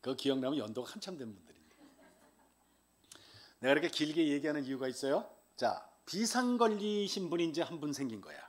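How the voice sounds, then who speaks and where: A man in his sixties from Seoul giving a humorous church testimony, telling the story with life and acting out the voices of others. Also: a little high. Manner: lively storyteller, acts out quoted voices. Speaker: lay deacon giving testimony. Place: church service.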